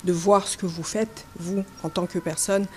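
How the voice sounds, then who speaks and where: A woman's voice: fairly low pitch, fairly even intonation, normal speed, a little hiss or hum. A woman journalist, a Swahili speaker, putting a question at a press conference and often searching for her words.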